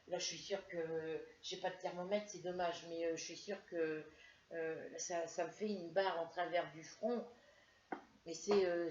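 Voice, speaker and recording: Feeling unwell with a headache, a crafts vlogger from France chats casually to camera, rambling through a story with many hesitations. She speaks in a lowish voice with a darkish tone, captured in a roomy, dull lo-fi home recording with slight background noise.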